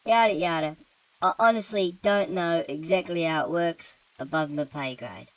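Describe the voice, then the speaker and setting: A woman voicing a tired, sardonic male demon with a British accent, deadpan and offhand. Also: on the low side, moderate pace, no room sound, close to an everyday voice, poor audio.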